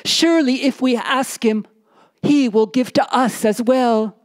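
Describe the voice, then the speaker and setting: A woman's voice: a little high, unhurried, voice pushed up, close to an everyday voice. A woman voicing a poor nomad's pleading wife. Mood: urging. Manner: pleading, repeating "husband" with rising intensity. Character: poor desert nomad's wife, anxious and insistent.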